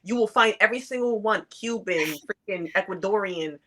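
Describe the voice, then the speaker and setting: A woman's voice: mid-range voice, fairly quick, bright, forceful tone. A woman from New York, a podcast guest in casual chat, teasing and laughing.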